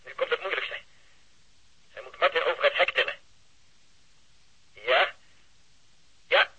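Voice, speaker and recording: Urgent police lookout over walkie-talkie, radio play; piercing, very raspy, dull radio band. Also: male voice, fairly high pitch, animated, a little slow, bright, forceful tone, heavily acted. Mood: tense. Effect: walkie-talkie radio filter. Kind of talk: radio drama acting.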